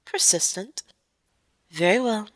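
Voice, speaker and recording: A woman acting a poised young noblewoman in a fan audio drama, formal and wry, with measured wording. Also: medium pitch, lively intonation, dry recording, studio quality. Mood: gently teasing.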